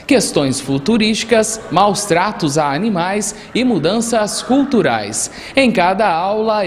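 A reporter narrating a news feature voice-over in a steady manner. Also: female voice, mid-range voice, a little hiss or hum. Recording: reverberant voice-over.

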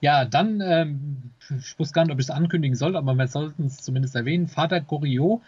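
Male co-host, mid-pitched and rough-edged, informal announcement style, slightly muffled lo-fi audio. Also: a little fast, darkish tone, no echo. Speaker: podcast co-host. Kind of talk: casual podcast announcements of new releases. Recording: slightly dull, lo-fi sound.

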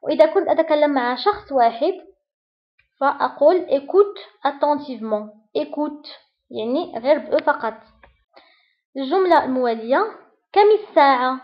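A woman teaching French phrases. She reads the quickly and repeats each French phrase slowly. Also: high voice, animated, dull audio. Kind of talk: French lesson for Arabic speakers.

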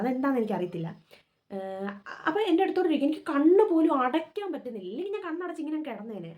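A woman, telling her own experience as a casual vlog story, with animated, lively retelling. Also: fairly high pitch. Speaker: vlogger.

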